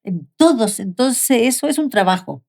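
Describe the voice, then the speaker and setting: An older woman, telling heartfelt stories as an interview guest, her voice often dropping soft. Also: a little high, expressive, moderate pace. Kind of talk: conversational interview.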